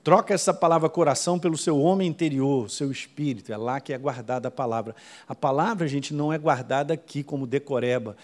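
A male pastor, preaching a sermon in a lively, conversational way full of quick asides. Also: medium pitch.

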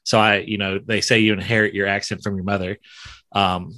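Podcast host, man with a light Southern accent, bright tone, stumbling but eager. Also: lowish voice, flat delivery, rough recording. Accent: mild Southern US. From South Central Alabama, USA. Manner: halting, many restarts, friendly enthusiasm. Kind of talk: casual interview chat.

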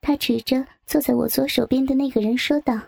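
High husky woman telling a story. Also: steady tone, brisk, no room sound, clean studio sound. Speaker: narrator. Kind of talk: first-person audio storytelling. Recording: soft music behind.

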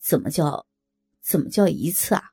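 Woman voicing a young male student, shy, hesitant, lowered husky voice, faint music. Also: big pitch swings, normal speed, mellow, full character voice. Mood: nervous. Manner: stammering, hesitant. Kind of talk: audio story reading.

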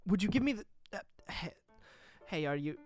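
A woman plays a guarded young man in a radio drama who dodges questions with terse, evasive answers. His voice sits low yet swoops and jumps, and weary sighs break up his lines. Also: lively intonation, normal speed, faint music behind, natural voice.

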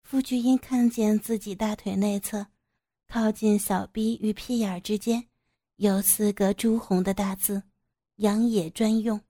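Mellow-voiced woman narrating a story. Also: medium pitch, steady tone, measured pace. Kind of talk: scripted audio story narration.

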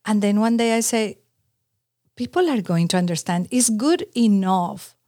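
A woman's voice: medium pitch, animated, moderate pace, warm tone, no echo, clean studio sound. A middle-aged Colombian woman who speaks English with a Spanish accent, talking earnestly as an interview guest and laughing at herself. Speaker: guest, communications coach. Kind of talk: conversational interview.

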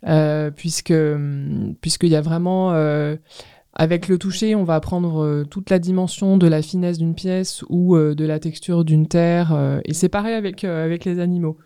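A woman's voice: sits low, fairly even intonation, normal speed, dark tone, smooth, no room sound, studio quality. A woman in her thirties answering casually as an interview guest, hesitant and often searching for words. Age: 30s. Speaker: guest artist, ceramicist.

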